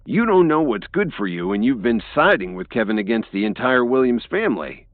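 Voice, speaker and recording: A man's voice: low voice, big pitch swings, moderate pace, dry recording. A man voicing an arrogant, furious middle-aged man in an audiobook, growling and domineering. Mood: snarling. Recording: dry, tinny phone-like sound.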